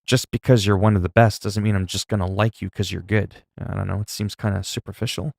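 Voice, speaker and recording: Low gravelly streamer. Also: male voice, steady tone, brisk, a little mellow, no room sound, clean studio sound. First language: French. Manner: rambling, self-talk with laughs and asides. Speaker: gaming streamer. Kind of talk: casual gameplay chat.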